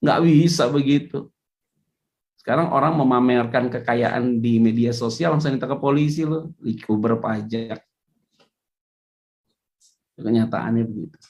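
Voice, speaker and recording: Lady pastor preaching casual, jokey asides, chatty and lively. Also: deep voice. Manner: chatty, joking asides, animated. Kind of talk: casual sermon.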